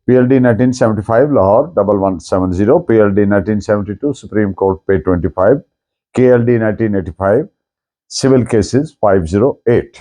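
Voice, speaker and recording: A man with a Pakistani accent lecturing as a law teacher, explaining deliberately and often rephrasing his points. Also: lowish voice, dark tone. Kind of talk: lecture mixing Urdu with English legal terms.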